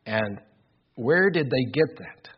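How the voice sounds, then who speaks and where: An older man preaching a sermon with a loud voice, earnest and emphatic, often repeating words as he builds his points. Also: medium pitch, lively intonation, slow, breathy edge. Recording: dull lo-fi recording.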